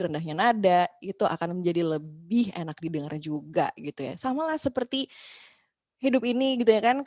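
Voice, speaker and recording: A woman teaching an online voice workshop in a chatty, lively way, talking to listeners as friends and acting out quoted complaints. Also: on the low side, no room sound, studio quality. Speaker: voice and podcasting workshop instructor. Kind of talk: casual online class teaching.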